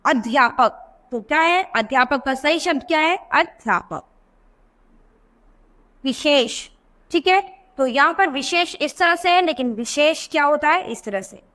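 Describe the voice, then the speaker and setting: Female teacher, high voice, patient classroom explainer for small kids, repeats words, asks the class questions. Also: lively intonation, moderate pace, a bit bright. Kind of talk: grammar lesson for young schoolchildren.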